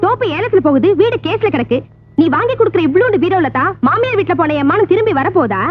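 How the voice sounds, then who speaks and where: A bitter, reproachful young married sister whose very high voice comes quick and sharp. The thin, phone-like old film sound has music clearly underneath. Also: female voice, animated. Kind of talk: 1980s film acting.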